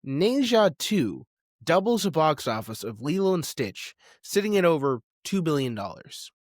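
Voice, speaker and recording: A man hosting a video essay, speaking in a conversational, emphatic way with dramatic pauses. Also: mid-range voice, dry recording, clean studio sound. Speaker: podcast host and video essayist.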